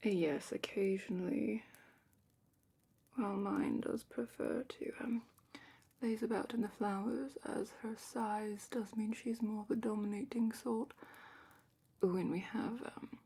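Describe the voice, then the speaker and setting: A woman playing a calm, attentive dragon matchmaker in a slow, whispered ASMR roleplay with thoughtful pauses. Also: medium pitch, full character voice. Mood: quietly authoritative. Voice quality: breathy, whispery. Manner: slow, gentle, thoughtful questioning with murmured pauses. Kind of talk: soft-spoken ASMR roleplay, largely whispered.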